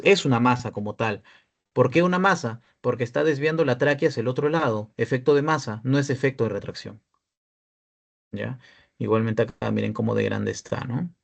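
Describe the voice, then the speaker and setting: A young man delivers a radiology lecture as a peer tutor, walking through image examples step by step. His voice sits at an ordinary pitch with a rough, gravelly texture, and he keeps checking that his students are following. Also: a little mellow. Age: young adult. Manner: explanatory, checks in often with "¿ya?" and "¿no?".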